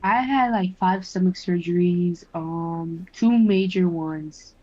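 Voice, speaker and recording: A woman's voice: fairly low pitch, slow, a little mellow, dull audio. A woman joining a livestream by voice chat, talking in blunt, dryly joking casual conversation. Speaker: voice chat guest.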